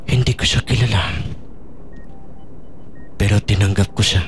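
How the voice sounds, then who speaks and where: A man acting a troubled character haunted by guilty memories in a Filipino audio drama, speaking in halting, brooding phrases. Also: on the low side, fairly even intonation, a little hiss or hum, close to an everyday voice. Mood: guilty, confessing.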